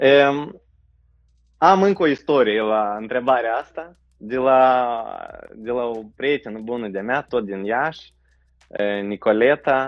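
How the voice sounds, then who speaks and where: A man with a medium-pitched voice and ordinary pitch variation talks at a very slow pace with long, frequent pauses over music in the background. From Moldova, Orhei. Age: 30s. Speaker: entrepreneur. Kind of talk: interview on a live stream.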